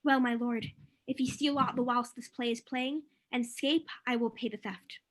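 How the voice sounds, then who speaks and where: A woman playing a loyal, deferential gentleman friend of a prince in a Shakespeare reading. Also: a little high, steady tone, normal speed, close to an everyday voice. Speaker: actor.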